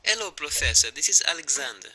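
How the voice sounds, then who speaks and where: An actor playing a courteous, earnest Russian researcher in an audio drama, with formal, careful phrasing. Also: male voice, a little high, sing-song, quick pace, a crowd in the background, poor audio.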